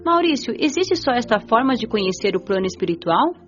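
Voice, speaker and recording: Woman acting a gentle young brazilian spirit girl telling her story, radio drama, bit muffled, soft music behind. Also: a little high, very animated, fairly quick. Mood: grateful, curious. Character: young woman spirit, nineteen, gentle, grateful, eager narrator. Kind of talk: audiobook radio drama narration.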